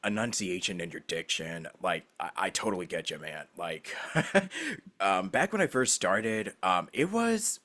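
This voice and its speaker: A young man hosts a casual interview with an easygoing, friendly manner, laughing now and then. His voice sits low but swings widely in pitch as he talks. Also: big pitch swings, measured pace, bright, forceful tone. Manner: laid-back and chummy, laughs often. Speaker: podcast host.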